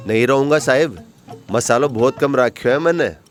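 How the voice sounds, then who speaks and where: Man playing a street food vendor, Marwari accent, deferential, teasing, average pitch. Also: moderate pace, faint music behind, close to an everyday voice. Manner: humble, joking, deferential.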